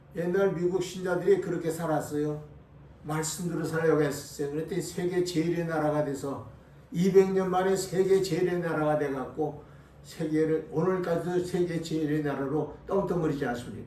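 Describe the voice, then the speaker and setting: A man with a high pitch speaks in fairly even intonation. Noticeable background noise and audible room echo come through. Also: moderate pace. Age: 70s. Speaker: pastor. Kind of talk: sermon. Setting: church.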